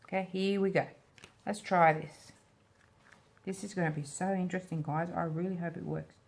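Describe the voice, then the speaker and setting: A woman with a slight smoker's rasp hosting a casual hands-on craft tutorial, thinking aloud informally as she works. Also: lowish voice, fairly even intonation, moderate pace. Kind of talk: casual hands-on demo chat.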